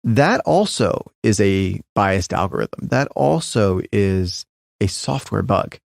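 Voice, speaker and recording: Low gravelly man, thoughtful and hedging. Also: lively intonation, slow pace, dry recording, studio quality. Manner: thoughtful, hedging, frequent restarts and fillers. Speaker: podcast guest, tech founder. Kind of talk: reflective interview conversation.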